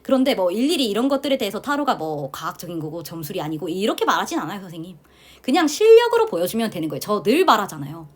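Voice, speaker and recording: Middle-aged korean woman giving a tarot lecture, chatty and lively, voice swoops up and down a lot. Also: mid-range voice, fast. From South Korea. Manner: chatty, animated, addresses listeners as teacher repeatedly. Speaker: tarot instructor. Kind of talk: lecture to students.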